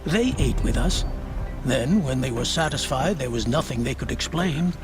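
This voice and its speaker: An actor playing a solemn, reverent tribal shaman in a video game, speaking in measured, poetic, ceremonial phrases. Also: medium pitch, animated, natural voice. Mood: calm, welcoming. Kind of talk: dramatic video game dialogue. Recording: music behind the voice.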